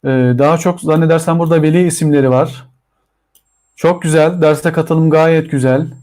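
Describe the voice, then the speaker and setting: A man with a Turkish accent teaching a live online English lesson to children, drawing out model phrases slowly. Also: a little high, steady tone, warm tone.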